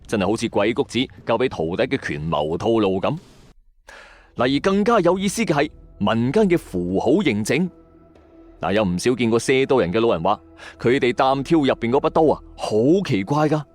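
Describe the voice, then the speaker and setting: Casting: male mystery-channel host, Hong Kong Cantonese accent, middle register, very animated intonation, colloquial scripted storytelling. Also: mid-range voice. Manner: storyteller's delivery with rhetorical questions and colloquial asides. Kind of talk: scripted late-night mystery narration.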